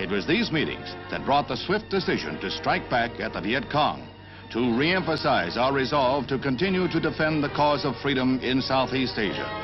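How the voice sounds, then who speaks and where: With music in the background, a man of medium pitch speaks at a moderate pace with hardly any pauses. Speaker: newsreel narrator. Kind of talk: 1960s newsreel narration. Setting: vintage film recording. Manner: brisk, authoritative.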